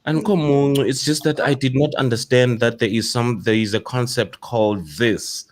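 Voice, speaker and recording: A man's voice: mid-range voice, fairly even intonation, normal speed. A South African man hosting a casual podcast discussion, talking in a rambling way with many fillers and restarts. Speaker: podcast host.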